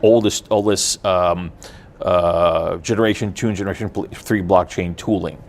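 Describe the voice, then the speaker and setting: A deep-voiced Ukrainian man whose first language is Russian answers casual interview questions as a guest explaining blockchain technology. He speaks haltingly, with many fillers and restarts, and his intonation stays fairly even.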